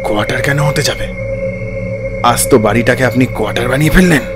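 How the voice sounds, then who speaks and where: Actor playing an insistent ghostly manservant, quietly menacing. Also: male voice, medium pitch, quick pace, loud music behind the voice, natural voice. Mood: eerily calm. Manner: deferential yet menacing, insistent. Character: sinister ghostly village manservant, insistent and coldly deferential. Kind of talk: Bengali animated horror story acting.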